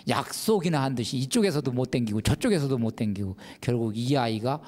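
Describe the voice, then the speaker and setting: A man's voice: medium pitch, fast talker, in a large hall. A man, a Catholic priest, giving a televised lecture on prayer and acting out the quotes in it. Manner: animated, acts out quotes.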